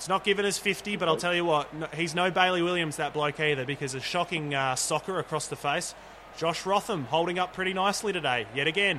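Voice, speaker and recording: A man talks at a very fast pace in a high pitch with ordinary pitch variation. His tone is animated and playful, with noticeable background noise. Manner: fast, animated ball-by-ball calling with quick play descriptions and playful humour; chatty, light-hearted, laughing.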